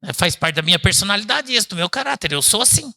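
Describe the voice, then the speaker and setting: A male pastor preaches in a loose, chatty way, his voice bright and forceful. He keeps checking in with the congregation and addressing them as brother. His delivery swings between loud, emphatic peaks and low, quiet asides. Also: big pitch swings, quick pace, creaky. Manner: chatty, asks the congregation "né?" and calls them "irmão". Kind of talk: conversational sermon. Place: church service.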